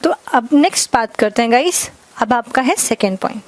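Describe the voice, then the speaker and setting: A woman with a fairly high voice teaches a grammar class. She goes slowly and keeps checking that her students follow. The sound is close and dry, with no room echo. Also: lively intonation. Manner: explains slowly with many checks of understanding; mixes Hindi and English. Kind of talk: classroom lesson.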